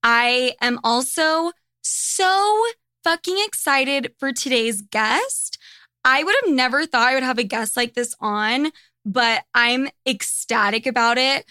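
Young woman from the US, podcast host, bright crisp voice, dry close sound, blunt and swearing. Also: high voice, takes it slowly, no echo. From United States. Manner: profane, candid, animated storytelling. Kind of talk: casual podcast monologue.

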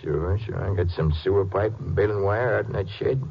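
An actor with an American accent playing a shifty, folksy, stammering murder suspect coming unhinged in a 1950s radio drama. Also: male voice, low-pitched, fairly quick, creaky, slightly rough, exaggerated voice. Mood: evasive. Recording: noisy old radio broadcast, crackly, muffled.

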